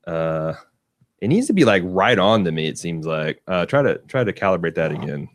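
Low-voiced swearing podcast host. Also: male voice, sing-song, normal speed, dry recording. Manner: joking, swears freely, laughs often. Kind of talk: casual chat while testing software. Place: small studio. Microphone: studio mic.

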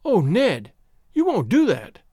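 A man voicing a high-pitched, quavering, naive young woman. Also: huge pitch swings, darkish tone, dry recording, studio quality, full character voice. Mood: tearful pleading. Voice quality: faint, small voice. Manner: hesitant, quavering, halting. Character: naive, distressed young woman, pleading and stubborn. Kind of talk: dramatised audiobook story reading.

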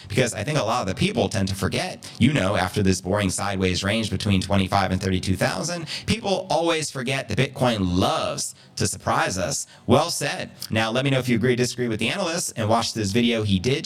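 An echoey livestream recording of a man with a fairly low voice. He hosts financial news commentary for live viewers, speaking like an emphatic presenter who drops in informal slang. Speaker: livestream host. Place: indoor livestream with echoey sound.

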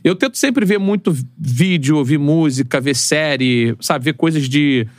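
A man's voice: fairly high pitch, no echo, clean studio sound. A man in his thirties with a Brazilian Portuguese accent, a football commentator telling stories as a guest in a casual podcast chat. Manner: fast, animated storytelling with slang.

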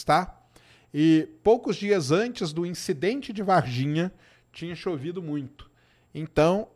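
Chatty Minas Gerais-accented man, higher voice. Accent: Minas Gerais Portuguese. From Brazil. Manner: chatty, informal, answers chat questions with tag "tá?". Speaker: science show host. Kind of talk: casual live-stream chat.

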